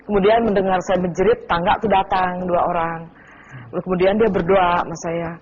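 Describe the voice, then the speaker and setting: A woman's voice: on the low side, flat delivery, brisk, a little mellow. A woman guest recounting a frightening night as personal testimony, retelling it vividly and emotionally. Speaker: guest, wife. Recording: dull lo-fi TV audio, faint noise.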